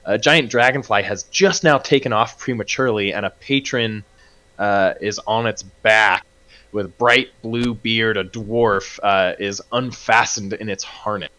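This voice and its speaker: A man running a tabletop game as game master, narrating in a relaxed way full of pauses. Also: fairly low pitch. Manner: relaxed, many fillers and restarts.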